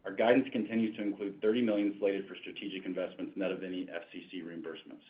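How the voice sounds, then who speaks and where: A man with a very low voice delivers a prepared financial report. He speaks quickly and formally, like a company executive. The sound is thin and narrow, as on a conference phone line. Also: little pitch movement. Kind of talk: scripted financial report read aloud. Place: conference call.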